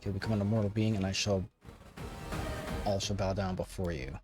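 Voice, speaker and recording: A man acts out an ancient undead king from a fantasy game, lordly and arrogant. His speech is formal and archaic, delivered briskly with haughty disdain over music. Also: low-pitched, steady tone, close to an everyday voice. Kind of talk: reading game dialogue in character.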